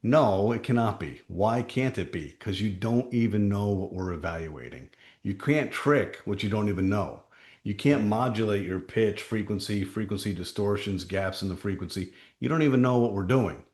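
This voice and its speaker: A man with a deep, low voice leads a town hall talk as a company chief. He tells anecdotes in short, emphatic bursts. The sound carries a roomy echo. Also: moderate pace, darkish tone. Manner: emphatic storyteller, punchy short phrases.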